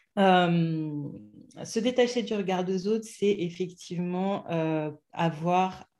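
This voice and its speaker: A woman's fairly low, dark, mellow voice at a very slow pace, with ordinary pitch variation on a very clean recording with a silent background. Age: 40s. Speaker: psychologist and podcaster. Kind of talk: casual interview.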